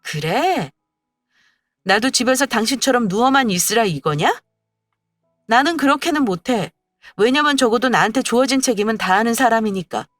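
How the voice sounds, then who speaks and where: Woman voicing young wife, indignant, scolding, radio story drama, soft music behind. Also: fairly high pitch, lively intonation, normal speed, dry recording, pitched above the performer's own voice. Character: angry young wife, sharp-tongued scolder.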